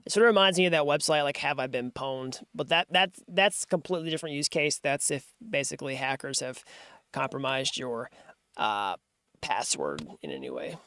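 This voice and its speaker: A man's voice: medium pitch, expressive, moderate pace, fairly bright tone, smooth, no echo. An American man hosting his channel, casually explaining on screen while he hunts for links and wanders off on asides. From United States. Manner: chatty, digressive, searching for links on screen as he talks. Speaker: host of a programming channel.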